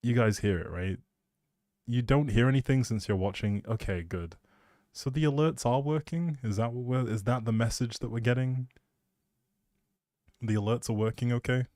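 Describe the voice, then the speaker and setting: A man's voice: medium pitch, moderate pace, long pauses, a little mellow, dry recording. A man hosting a livestream, rambling casually and chattily, often breaking off mid-thought, speaking close to the mic. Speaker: live streamer, host.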